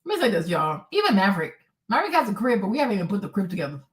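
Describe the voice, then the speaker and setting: A woman's voice: mid-range voice, very animated, very fast. A woman vlogger reacting to a clip in casual commentary, blunt and sassy, talking straight to her viewers.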